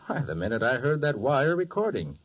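An actor playing a confident, sharp private detective in a 1940s radio crime drama, explaining things in an assured, emphatic way. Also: male voice, medium pitch, very animated, fairly quick, husky. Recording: dull lo-fi 1940s radio recording.

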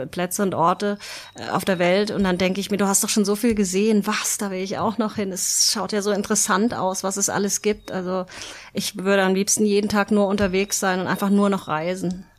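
A woman speaks as a guest in a casual podcast interview, her voice sitting at a middle pitch. She tells her stories in a lively, chatty way, often pausing on filler sounds. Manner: lively storytelling with many fillers.

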